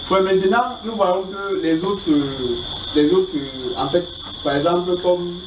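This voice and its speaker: A man asking questions about the Bible in a halting, roundabout way, repeating himself often. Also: high-pitched. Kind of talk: informal spoken question. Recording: echoey, distant, noisy pickup.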